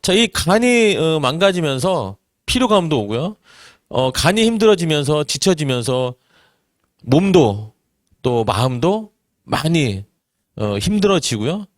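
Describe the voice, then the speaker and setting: Earnest forties male presenter, animated delivery, dry recording. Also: a little high, measured pace, dry recording. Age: 40s. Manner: earnest, rhetorical questions, many "eo" fillers. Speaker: network marketing business presenter. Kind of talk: seminar talk to an audience.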